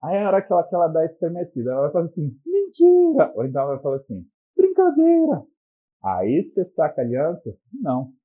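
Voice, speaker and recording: A man's voice: on the high side, lively intonation, racing, few pauses, dark tone, husky, poor audio. A man with a Brazilian Portuguese accent giving blunt, profane relationship advice in a crude comic monologue.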